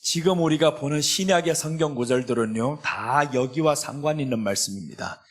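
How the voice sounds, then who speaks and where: A man's voice: a little high, normal speed. A man preaching a sermon as a pastor, speaking emphatically and acting out the lines of biblical characters in quoted voices. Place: church sanctuary.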